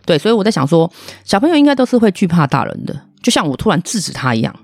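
A woman hosts a casual monologue and tells her story with blunt indignation. Her voice swoops up and down, and the words tumble out rapidly. The recording is dry and close. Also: lowish voice, sing-song, no echo. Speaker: podcast host, restaurant owner.

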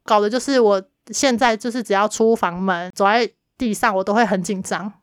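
A woman with a Taiwanese Mandarin accent, co-hosting a podcast in casual chat and telling a story with lively acted-out dialogue. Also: mid-range voice, a little fast, clear, resonant tone, dry recording, clean studio sound. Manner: lively storyteller, acts out her mother's lines. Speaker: podcast co-host.

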